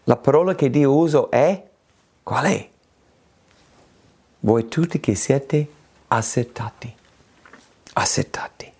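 A man preaching a sermon, reading scripture aloud and explaining it slowly and deliberately, with his pitch rising on emphatic phrases. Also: animated, gravelly, mellow, slightly rough.

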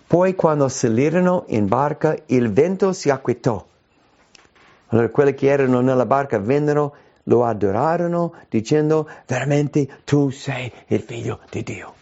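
A man delivers a sermon with a gravelly, mellow voice. His pitch swoops widely, jumping high when he acts out quoted cries. The recording is dull and lo-fi. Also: normal speed. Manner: animated preaching, voice leaping high when quoting cries. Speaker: preacher.

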